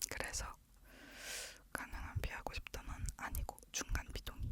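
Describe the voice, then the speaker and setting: The speaker is whispering at a very slow pace. Noticeable background noise can be heard. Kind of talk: ASMR whispering, personality test taken aloud. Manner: whispered, soft, slow.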